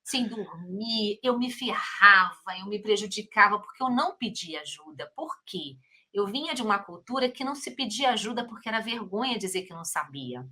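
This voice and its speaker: A woman's voice: medium pitch, lively intonation, moderate pace, hardly any pauses, sharp tone. A middle-aged woman with a Brazilian Portuguese accent, hosting a podcast interview in a casual, effusive way. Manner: effusive, exclaims often. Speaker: podcast host.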